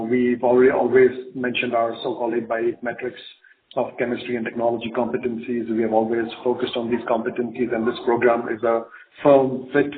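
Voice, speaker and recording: A man's voice: medium pitch, a little hiss or hum. A man speaking as a company executive on an earnings call, answering questions in a confident, emphatic way and often tagging phrases with "right?". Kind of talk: earnings call Q&A, spontaneous business talk. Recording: narrow, phone-like conference call line.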